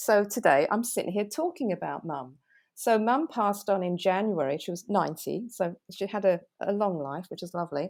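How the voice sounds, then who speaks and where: In a London accent, a woman talks at a fairly quick pace with lively intonation on a very clean recording with a silent background. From London, England. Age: 60s. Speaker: author. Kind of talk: interview. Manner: energetic.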